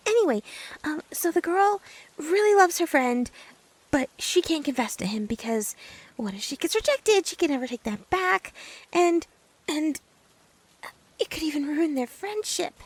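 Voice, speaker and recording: A woman's voice: high voice, sing-song, measured pace, pauses often. A woman playing a nervous, lovestruck girl best friend in an ASMR roleplay, stammering and hesitant, often dropping toward a whisper. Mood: nervous, wistful. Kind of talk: ASMR roleplay acting, addressed to the listener.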